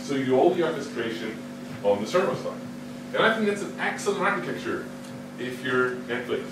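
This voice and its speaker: A man gives a conference talk from a distance, his voice ringing around a large echoey hall. He talks in a questioning, lively way and keeps restarting his sentences. Heavy noise sits under the recording. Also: mid-range voice, a little fast. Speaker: conference speaker. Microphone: no microphone, distant recording.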